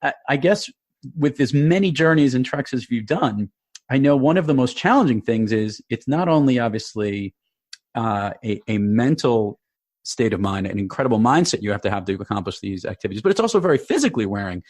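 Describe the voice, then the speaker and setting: A male podcast host with an even, middle-pitched voice. He asks questions casually and often stumbles and restarts a phrase. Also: a little fast. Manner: casual, restarts and repeats words. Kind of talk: podcast interview.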